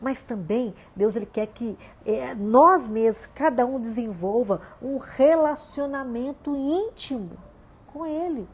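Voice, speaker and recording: A Brazilian woman pastor speaks slowly in a fairly high, slightly rough voice with a Brazilian Portuguese accent. Livestreaming a sermon from home, she preaches conversationally, often using "né?" and "gente."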